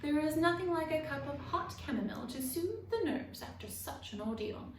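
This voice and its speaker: A woman voicing a grand, courtly male frog actor from a storybook, declaiming with drawn-out, careful enunciation. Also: sits high, lively intonation, pitched above the performer's own voice. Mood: courtly, theatrical. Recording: roomy echo, distant mic, faint noise.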